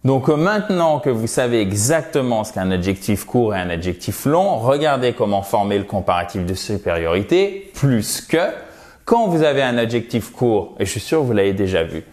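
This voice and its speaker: A man's voice: fairly low pitch, sing-song, darkish tone. Man teaching English, stressing each word. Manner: emphatic, slows to model English words and stress. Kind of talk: recorded video lesson over slides.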